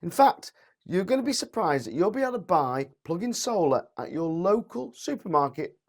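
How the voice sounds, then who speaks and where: A man, hosting a chatty explainer vlog and speaking straight to his viewers, his voice croaky and hoarse. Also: high-pitched, very animated, moderate pace. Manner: chatty, addresses viewers directly. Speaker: channel host.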